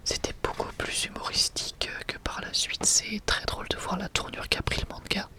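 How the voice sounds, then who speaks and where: Whispered ASMR voice. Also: moderate pace. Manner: soft unvoiced whispering, hesitant and unscripted. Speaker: ASMR video creator presenting a manga collection. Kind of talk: whispered ASMR, casual presentation.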